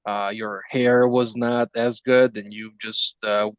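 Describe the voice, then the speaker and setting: A man's voice: fairly low pitch, flat delivery, takes it slowly, clear, resonant tone, dry recording. Teasing young man, dull lo-fi sound. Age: 20s. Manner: teasing, laughs often. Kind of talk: casual chat.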